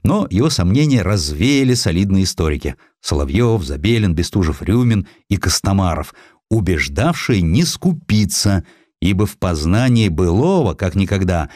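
A man reading a literary history audiobook in an expressive, theatrical storytelling manner, acting out the dialogue as he goes. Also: deep voice, moderate pace, no echo, studio quality. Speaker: audiobook narrator. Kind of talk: expressive scripted literary narration.

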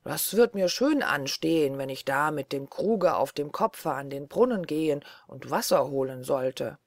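A woman's voice: lowish voice, lively intonation, unhurried, dry recording. Woman doing a snooty spoiled storybook girl, sulky and drawn out, dry sound. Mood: haughty. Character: haughty, rude, spoiled elder daughter.

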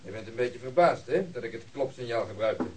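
A cool, pushy investigator played by a male actor in a radio play, heard at some distance from the microphone. He talks fast, casual and mocking, cheeky and sure of himself. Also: medium pitch, lively intonation, lightly acted. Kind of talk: Dutch radio drama dialogue.

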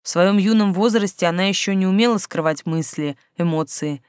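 Measured audiobook narrator, dry close sound. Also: medium pitch, clear, resonant tone, dry recording. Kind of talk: scripted narration.

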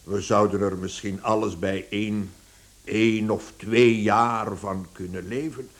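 A man acting a middle-aged, authoritative father in a radio play, speaking deliberately and formally. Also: fairly low pitch, steady tone, lightly acted. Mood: measured, self-satisfied. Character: authoritative bankrupt father, measured head of household.

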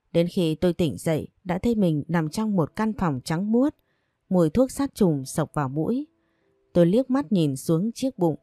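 A woman narrating a first-person story in a steady, earnest way. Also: fairly low pitch, no echo, clean studio sound.

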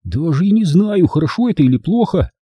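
A man voicing a frightened but determined young boy with a hoarse whisper. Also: fairly high pitch, lively intonation, a little fast, warm tone, dry recording, voice pushed up. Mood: worried.

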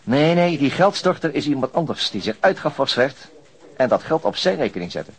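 A man's voice: a little high, sing-song, a little fast, breathy edge. An actor playing a dry, pensive male police detective in a radio play, speaking in a matter-of-fact, musing way. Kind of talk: naturalistic radio play dialogue.

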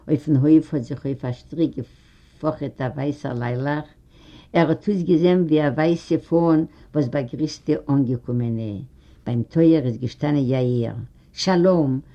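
A storyteller reading a literary story aloud in a measured, steady way. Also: mid-range voice. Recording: dull lo-fi recording.

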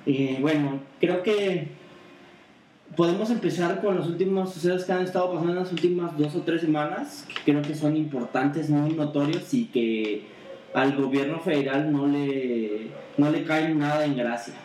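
A man's voice: fairly high pitch, normal speed, a little mellow, roomy sound, distant mic, slight background noise, low-quality recording. A man with a Mexican Spanish accent chatting about politics on a podcast, rambling, full of hesitations and restarts. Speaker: podcast co-host. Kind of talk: casual political chat.

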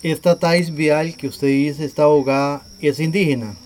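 Mellow-voiced radio reporter man. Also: on the high side, fairly even intonation, normal speed, slight background noise. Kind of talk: read news report and interviewing.

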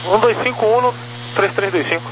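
A Brazilian man works as an air traffic controller, firing off clipped instructions very quickly. His slightly high voice comes over a walkie-talkie style radio with clear hum and noise. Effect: heard over two-way radio, like a walkie-talkie. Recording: humming, noisy two-way radio channel.

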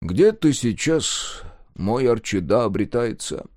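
A man's voice: on the high side, lively intonation, a little slow, creaky, mellow, no echo, clean studio sound, voice pushed up. A man doing a theatrical, envious old actor. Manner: theatrical, exclaiming. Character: theatrical aging male actor, envious, melancholy.

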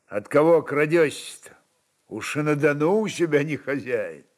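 A man's voice: on the high side, animated, normal speed, darkish tone, voice pushed up, natural voice. A man voicing a brooding, blunt Cossack chieftain, a father, who muses in plain folksy dialect. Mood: reproachful.

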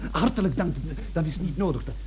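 A performer with a rather low woman's pitch playing a flustered, polite young male interviewer in a radio play, stammering and protesting. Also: animated, quick pace, darkish tone, a little hiss or hum. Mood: nervous, polite.

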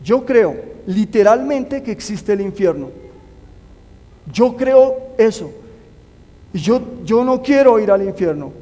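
A man's voice: high voice, animated, slow, pauses often, dark tone. A man preaching a sermon, earnestly urging his listeners to put their trust in God. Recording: long hall reverb.

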